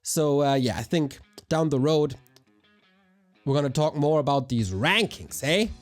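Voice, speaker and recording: A man with a hoarse voice, casting a live strategy game match in an energetic, chatty way while thanking viewers. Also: fairly high pitch, a little slow, faint music behind. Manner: energetic, chatty, talks to chat. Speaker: esports caster. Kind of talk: live game commentary with chat shout-outs.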